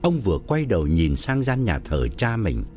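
A man narrating an audiobook story in a measured storytelling manner. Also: wildly swooping pitch, darkish tone, faint music behind. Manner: measured storyteller, very wide pitch swings.

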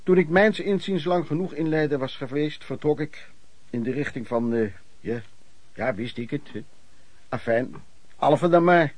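Actor as old-fashioned storytelling traveling merchant, dry sound. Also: male voice, on the high side, moderate pace, no room sound, lightly acted. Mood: reminiscing. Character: male former traveling merchant recounting his lodging-house years. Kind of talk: radio drama reminiscing narration.

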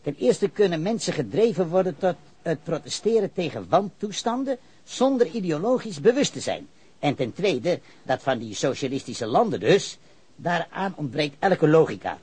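A man's voice: a little high, sing-song, moderate pace, a little mellow, breathy edge. An actor playing an evasive, argumentative, pedantic male witness with leftist ideals in a radio drama. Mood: earnest, argumentative.

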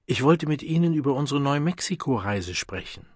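A man with a husky voice reading an audiobook and voicing a popular, cheerful young woman in a brighter, eager tone. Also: mid-range voice, lively intonation, moderate pace, dry recording, studio quality, pitched above the performer's own voice. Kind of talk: audiobook character voice.

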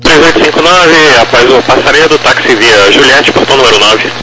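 A man's voice: medium pitch, a little fast, pushed and bright. A Brazilian man giving terse, procedural air traffic control instructions over the radio. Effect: radio transmission. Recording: very noisy aviation radio.

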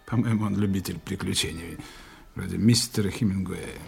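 An actor playing a smooth, authoritative German agent giving orders to his team in a radio play, speaking in calm, clipped tones. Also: low-pitched, normal speed, soft background music. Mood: commanding. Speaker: intelligence operative commanding a team.

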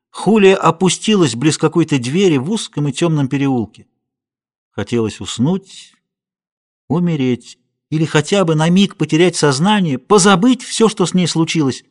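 Higher-voiced man narrating a novel. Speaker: audiobook narrator.

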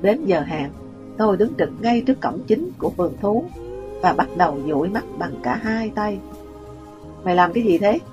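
A woman calmly reading a first-person story aloud as an audiobook narrator. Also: mid-range voice, moderate pace, music in the background.

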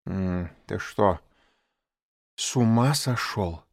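A man's voice: low voice, drawn-out words, gravelly, no echo, studio quality, full character voice. A man voicing a stern, angry male panther in an audiobook, clipped and scolding. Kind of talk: audiobook character voice.

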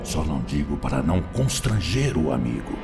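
An actor playing a mocking, vindictive male spirit in a radio drama, with a gravelly, sarcastic, theatrical delivery. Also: very deep voice, big pitch swings, normal speed, heavily acted. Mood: sarcastic, gloating. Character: mocking, vindictive male spirit, former obsessor, sneering and defiant. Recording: music bed behind the voice.

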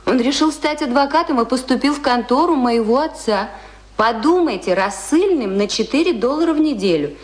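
A woman's voice: high-pitched, animated, fairly quick. An actress playing an earnest, refined young woman in a radio play, speaking precisely and instructively. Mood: earnest, admiring. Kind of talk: theatrical radio play acting.

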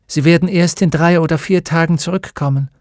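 A man voicing a calm, matter-of-fact white-haired old woman in an audiobook. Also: fairly high pitch, brisk, dry recording, studio quality, pitched above the performer's own voice, natural voice.

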